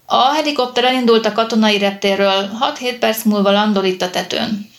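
A woman reading the lines of a brisk male sergeant major in an audiobook. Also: on the high side, close to an everyday voice.

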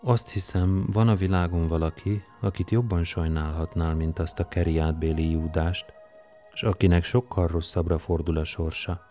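A man's voice: low voice, steady tone, mellow, faint music behind, natural voice. A man voicing a fierce, weary Roman governor. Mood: wry. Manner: scornful and commanding, erupts into roaring rage. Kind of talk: audiobook character reading.

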